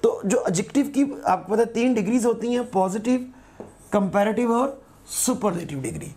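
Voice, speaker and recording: A male teacher giving a recorded grammar lesson, patiently repeating words slowly as examples. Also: sits high, lively intonation, mellow.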